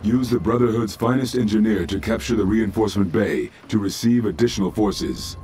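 An actor voicing an impassive military battle computer in a video game, giving clipped, matter-of-fact announcements. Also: male voice, on the low side, fairly quick, natural voice. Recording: loud music over game battle noise.

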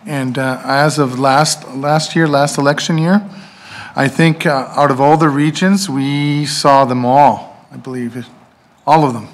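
A man, a library board chair, answering council questions haltingly, with many pauses and restarts, in a council chamber. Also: mid-range voice, steady tone.

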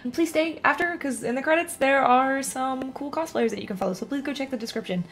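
A woman's voice: high voice, quick pace. Chatty, playful young woman cosplayer. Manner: chatty, playful, swears freely. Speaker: cosplayer and video host. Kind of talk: casual crafting vlog chat.

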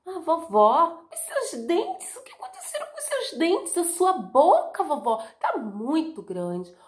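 A little girl in a red hood from a storybook, as a woman puts her on, speaking with a Brazilian Portuguese accent. Her voice jumps high and swoops around in lively, drawn-out exclamations. The sound carries the echo of a room. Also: full character voice. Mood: frightened. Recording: echoey room.

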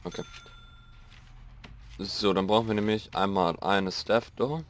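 A young man with a slightly hoarse voice, rambling casually through gameplay commentary and mocking himself as he goes. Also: on the low side, fairly even intonation, measured pace. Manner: rambling, self-mocking, thinking aloud. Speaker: let's play host.

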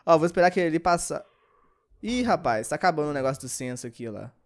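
A sleepy, worn-out man with a Brazilian Portuguese accent, giving let's-play commentary and yelping excitedly at the game. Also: a little high, quick pace. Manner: excitable, yelps and shouts at the game. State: sleepy and exhausted. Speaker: gaming YouTuber.

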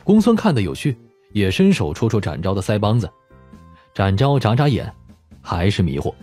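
A male storyteller reads scripted fiction. His pitch moves a lot and his voice has a husky grain. Soft music plays behind him. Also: very animated, moderate pace. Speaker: audiobook narrator.

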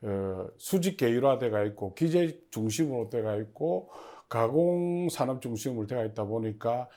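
A man giving formal, prepared interview answers as an agency official, in measured and stiffly official phrasing. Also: medium pitch, expressive, warm tone. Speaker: head of a public industry agency, interview guest.

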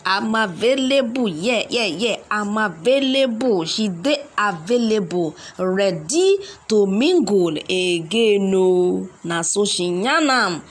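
A woman with a Nigerian accent narrates gossip in Nigerian Pidgin. Her delivery is slow and very animated, with a theatrical manner. She punctuates the telling with exclamations and drawn-out hums. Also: medium pitch, breathy edge. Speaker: gossip blog host.

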